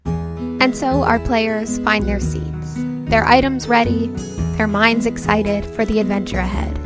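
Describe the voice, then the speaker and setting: A woman's voice: fairly high pitch, fairly even intonation, unhurried. A woman hosting as game master, narrating an improvised tabletop game. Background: background music.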